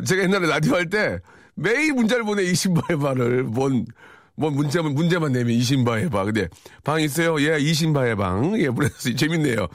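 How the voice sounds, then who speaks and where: Lively chatty male radio host. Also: medium pitch, no room sound, studio quality. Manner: lively, chatty, reads messages aloud with wry reactions. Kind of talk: casual on-air chat reading listener messages.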